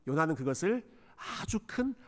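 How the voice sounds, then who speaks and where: A male pastor delivering a Sunday sermon, expressive and dramatic, dropping English phrases into his preaching. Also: on the high side, normal speed. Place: church sanctuary. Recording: long church hall reverb.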